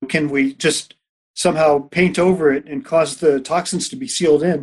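He talks with an unremarkable speaking voice at a moderate pace. A man's fairly high pitch rises and falls with ordinary variation. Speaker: podcast co-host. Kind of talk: interview.

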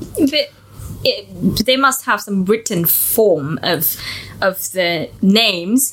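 Over noticeable background noise, a woman with a medium pitch speaks very slowly with lively intonation. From Vietnam. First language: Vietnamese. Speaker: podcast guest. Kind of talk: casual chat; educational explanation. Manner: hesitant.

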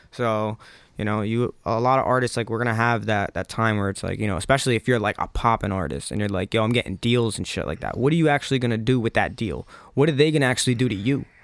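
A man's voice at a very fast pace with ordinary pitch variation, in a very clean recording with a silent background and a dry, close sound with no echo. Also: medium pitch for a man. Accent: New Jersey. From New Jersey (Paterson, later Sussex County). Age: 30s. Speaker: rapper. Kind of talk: casual chat. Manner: laid-back, filler-heavy speech.

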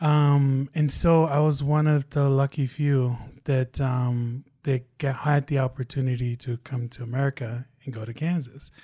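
A man's somewhat breathy, fairly high voice with a dark, mellow tone, fairly even intonation and a moderate pace, on a very clean recording with a silent background. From Tonga. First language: Tongan. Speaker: UX designer and mentee. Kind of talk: casual interview chat.

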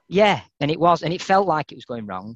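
A man with a Mancunian accent talks at a very fast pace, the sound dry and close with no echo. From Manchester, England. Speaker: department head, coaching client. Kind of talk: personal testimony.

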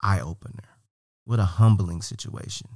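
A man with an American accent speaks at a fairly low pitch with vocal fry. His pace is moderate and his pitch variation ordinary. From US Midwest, Cleveland, Ohio. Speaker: barbershop owner. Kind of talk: interview conversation.

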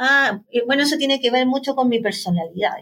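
Here a woman talks at a very fast pace. Her pitch variation is ordinary. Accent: Chilean. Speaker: independent publisher and librarian. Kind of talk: interview.

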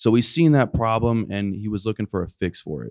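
A man's normal speaking voice with an American accent, fairly low in pitch, at a moderate pace, in a very clean recording with a silent background and a dry, close sound with no echo. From Chicago. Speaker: tech startup co-founder. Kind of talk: live podcast interview.

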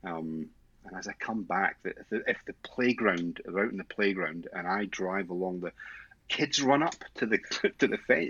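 Speaking with a strong Edinburgh accent, a man makes big swings in loudness. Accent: strong Edinburgh Scottish. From Scotland, Edinburgh. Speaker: car photographer and enthusiast. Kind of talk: casual chat.

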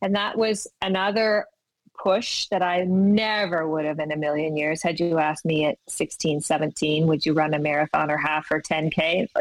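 Talking at a moderate pace with very even loudness, a woman with a Canadian accent has an unremarkable speaking voice, a fairly low pitch and ordinary pitch variation, in a dry, close sound with no echo. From Ontario, Canada. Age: middle-aged. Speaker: life coach. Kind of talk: interview.

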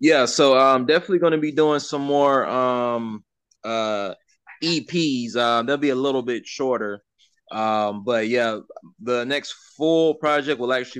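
A man's normal speaking voice, medium in pitch, with an American accent, ordinary pitch variation and a fairly slow pace against a quiet background. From US South, South Carolina. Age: 30s. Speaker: hip-hop artist. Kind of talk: casual interview.

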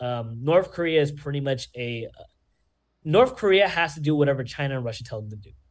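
A man's fairly high, somewhat breathy voice at a fairly quick pace, with ordinary pitch variation, big swings in loudness and a quiet background. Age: 20s. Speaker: social media news creator. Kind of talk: casual chat.

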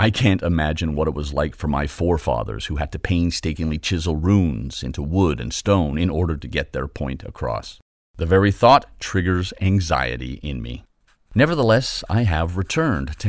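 A man with a very deep, low voice and vocal fry speaks at a moderate pace with lively intonation against a quiet background. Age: 50s. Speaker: podcast host. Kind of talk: scripted narration.

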